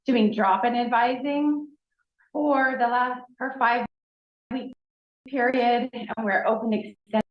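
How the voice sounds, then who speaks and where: A woman's voice: fairly high pitch, fairly even intonation, slow. A woman who directs a college advising office, presenting new staff at a board meeting in an upbeat, enthusiastic way. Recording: echoey room, dull lo-fi sound.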